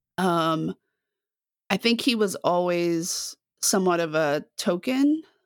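Recorded very cleanly against a silent background, a woman speaks with a Texan accent in a dry, close sound with no echo. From Dallas area, Texas. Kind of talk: casual interview chat.

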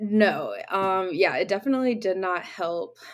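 On a very clean recording with a silent background, a woman speaks in an ordinary speaking voice at a fairly slow pace. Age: 20s. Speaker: grad student and behavior technician. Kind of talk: personal testimony in interview.

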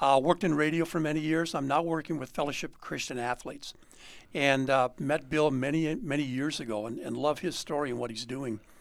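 With ordinary pitch variation, a man speaks at a fairly quick pace in a fairly high voice. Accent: American. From Green Bay, Wisconsin, US. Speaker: sports ministry worker, former radio host and referee. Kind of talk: casual interview chat. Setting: studio.

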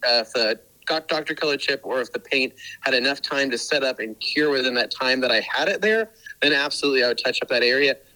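With noticeable background noise behind him, a man speaks in a fairly high voice. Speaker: co-host calling in from event. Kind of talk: casual phone chat.

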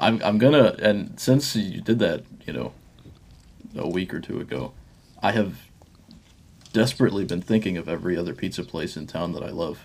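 Long, frequent pauses from a man with a very deep, low pitch, a serious tone, lively intonation, vocal fry and big swings in loudness. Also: moderate pace. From Toledo, Ohio. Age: 20s. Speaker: political candidate and law student. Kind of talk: interview. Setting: remote call.

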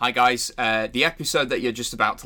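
The recording is very clean, its background silent. A man's medium-pitched voice comes across bright and sharp in tone. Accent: northern English. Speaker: podcast host. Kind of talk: casual chat. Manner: loud.

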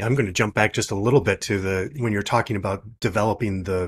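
Against a silent background in a very clean recording, a man with a plain, everyday voice speaks at a fairly low pitch with ordinary pitch variation. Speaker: podcast co-host, homeschooling father. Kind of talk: casual podcast chat.

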